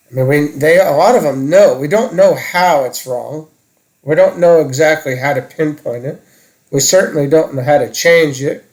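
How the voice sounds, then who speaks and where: Guy with an average pitched voice, chatting, kinda hesitant, searching for words. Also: a little mellow, low-quality recording. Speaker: conversation partner asking questions. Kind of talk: casual discussion.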